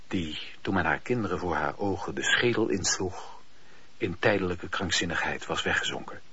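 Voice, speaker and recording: Male storyteller, very husky, widely varied pitch, scripted radio drama narration, measured, muffled recording. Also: fairly bright tone.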